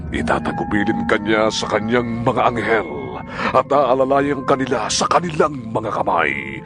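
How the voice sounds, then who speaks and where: An actor with a Filipino accent playing the Devil, a sly evil spirit who taunts and tempts in a drawn-out way, in a dramatized audio Bible. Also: male voice, medium pitch. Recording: music under the voice.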